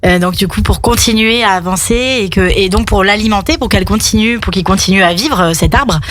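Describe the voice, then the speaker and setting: A woman's voice: medium pitch, fairly quick, a bit bright. A woman speaking as a radio guest, telling personal stories in a casual, conversational way. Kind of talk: animated personal storytelling, casual chat.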